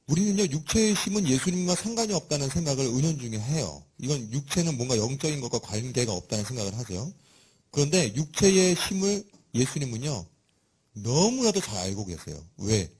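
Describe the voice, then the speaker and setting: A man preaching a sermon in a lively, conversational and humorous way, with a husky voice. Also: fairly high pitch, slight background noise.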